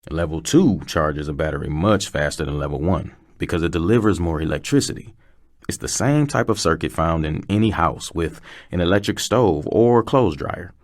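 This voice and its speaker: A man plays a car service technician with a deep voice and a very dry sound. He is knowledgeable and patient, explaining things conversationally in a scripted promotional dialogue. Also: animated, normal speed, no echo. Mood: explaining, assured.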